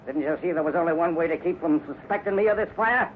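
An actor playing a cold, scheming villainous colonel in a 1950s radio drama, speaking with menace. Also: male voice, fairly high pitch, fast talker, lightly acted. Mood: cruel. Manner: menacing, sneering, shouts in a struggle. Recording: tinny old radio broadcast with hiss.

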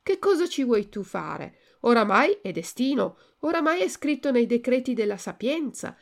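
Lady doing a sweet wise little marmot, a bit higher, soft and serious. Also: very animated, moderate pace, vocal fry. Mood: consoling. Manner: gentle, consoling, grave.

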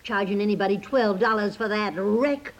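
An actress playing an indignant, bossy wife with a brusque, haranguing manner, in a 1950s radio comedy. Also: female voice, medium pitch, moderate pace, close to an everyday voice.

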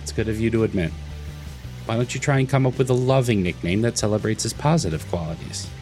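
A man's voice: on the low side, fast, darkish tone, soft background music, natural voice. A man playing a patient, slightly awkward Catholic priest in an audio comedy drama, speaking in a reassuring, conversational way. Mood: gently encouraging.

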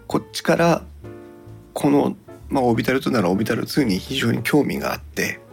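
A man hosting a podcast in casual chat, explaining things haltingly in polite but relaxed speech. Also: mid-range voice, gravelly, soft background music. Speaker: podcast host.

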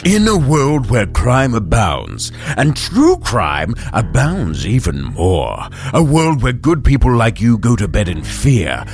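An excitable, theatrical show producer. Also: male voice, slow pace, hardly any pauses, full character voice. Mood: announcer-like. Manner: theatrical, excitable, booming trailer-voice narration. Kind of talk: audio drama acting.

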